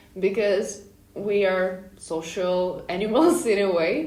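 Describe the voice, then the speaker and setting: The speech comes at a very slow pace with ordinary pitch variation, amid audible room echo and noticeable background noise. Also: woman. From Russia. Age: 20s. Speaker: podcast host. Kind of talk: casual chat.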